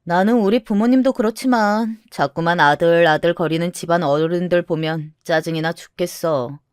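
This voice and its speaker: A woman's voice: fairly low pitch, moderate pace, clear, resonant tone, dry recording, studio quality, lightly acted. A blunt teasing older cousin, as a woman reads her. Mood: irritated. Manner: teasing, mocking.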